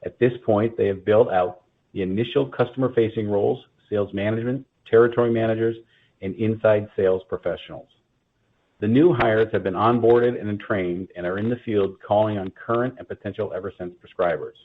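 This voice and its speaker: A man reading a scripted corporate earnings presentation in a formal, measured manner, as a company executive. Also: lowish voice, fairly even intonation. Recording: muffled, phone-like conference call line.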